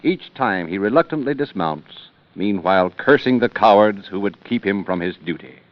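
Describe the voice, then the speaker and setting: A male narrator delivering scripted radio narration in a measured, declamatory way. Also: lowish voice, animated, no room sound. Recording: dull old radio recording with hiss.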